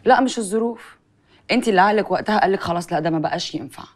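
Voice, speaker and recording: A woman's voice: medium pitch, rapid-fire, lightly acted. An actress playing a stern woman who scolds reproachfully with an Egyptian accent in a TV drama. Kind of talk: TV drama acting.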